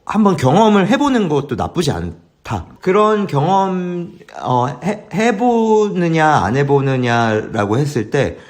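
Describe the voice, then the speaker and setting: A man's voice: on the high side, sing-song, a little slow, hardly any pauses. A man in his thirties chatting casually as a co-host, with a hesitant, roundabout way of putting things. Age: 30s. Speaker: podcast co-host. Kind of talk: casual conversational chat.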